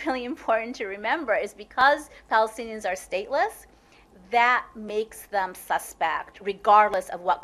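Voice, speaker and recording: A woman answering audience questions after a talk, talking quickly with many restarts and "like". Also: mid-range voice, fairly bright tone. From United States. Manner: talks fast, with frequent restarts and "like". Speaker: guest speaker. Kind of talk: lecture Q&A answers. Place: lecture room.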